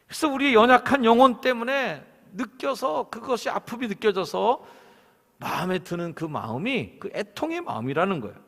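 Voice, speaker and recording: A man preaching with a lively, swinging delivery and a fairly high voice. His sermon rings out through the long reverb of a church sanctuary. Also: moderate pace. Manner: expressive preaching. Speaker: senior pastor.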